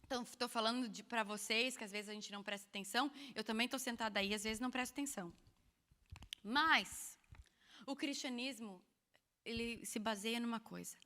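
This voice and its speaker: A woman preaching an expressive, animated sermon at a women's church meeting, with humorous asides to the audience. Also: a little high, big-room sound. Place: church hall.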